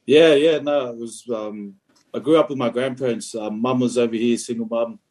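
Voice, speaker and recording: A man in his twenties from Fiji, answering interview questions in a relaxed, hesitant way with many fillers. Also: medium pitch, moderate pace. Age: 20s. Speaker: rugby league player, guest.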